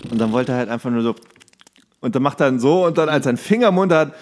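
A man's voice: mid-range voice, lively intonation, fast. A man co-hosting a podcast, telling rambling, jokey anecdotes in casual banter. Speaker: podcast co-host.

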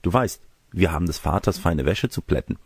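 A man voicing a country mother giving kindly, brisk instructions in a storybook reading. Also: low-pitched, expressive, slightly rough, no room sound, clean studio sound.

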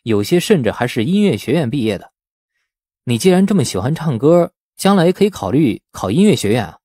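A man's voice: mid-range voice, big pitch swings, a little fast, dark tone, no room sound, clean studio sound. A man voicing an easygoing, righteous young man in an audiobook, speaking conversationally and encouragingly.

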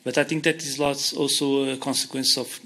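A man's voice: medium pitch, little pitch movement, moderate pace, bright, forceful tone. A man in his thirties from Portugal with a Portuguese accent, answering audience questions at a conference on a handheld mic, earnest and restarting often. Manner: earnest, explains with hand gestures, frequent restarts. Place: conference hall stage, seated in armchair.

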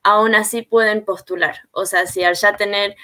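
A woman's voice: mid-range voice, steady tone, moderate pace, pushed and bright. Young woman moderating a webinar. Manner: friendly, reads audience questions aloud. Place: home room with bookshelves, indoors. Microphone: video call.

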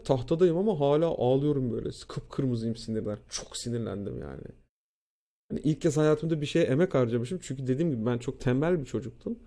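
A young man spins a school anecdote in casual, profane chat, acting out the lines of the people in it. His voice is very dark and gravelly, with plenty of fry. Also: mid-range voice. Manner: animated, profane, acts out quotes. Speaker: streamer. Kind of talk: casual storytelling.

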